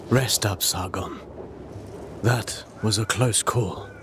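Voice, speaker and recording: A man playing a calm, wise and protective mentor in a video game, speaking in a measured, sage-like way. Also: lowish voice, noisy background. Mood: reflective. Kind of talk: video game cutscene acting.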